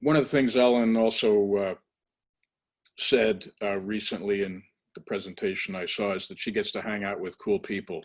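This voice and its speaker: A man hosting an interview who introduces his guest in a halting way, pausing often. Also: fairly low pitch, fairly even intonation. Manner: halting, with many pauses. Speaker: host.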